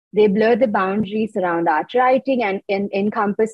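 Somewhat breathy speech with fairly even intonation moves at a moderate pace, in a dry sound with no echo and a quiet background. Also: woman. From Sri Lanka. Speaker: panel moderator and writer. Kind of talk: panel moderation. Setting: video call. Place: home room. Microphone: video call.

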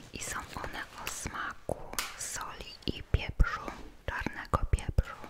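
A woman whispers, soft-spoken, at a very slow pace. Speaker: product reviewer. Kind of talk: soft-spoken product review. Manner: soft close-mic ASMR whisper. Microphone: studio mic.

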